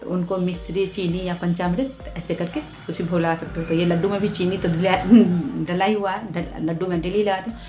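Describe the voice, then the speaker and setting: Give me a woman vlogger with a slightly low voice chatting through her home puja routine step by step. The room rings with echo, and soft music plays faintly underneath. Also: fairly even intonation, moderate pace, hardly any pauses. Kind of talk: casual devotional vlog talk.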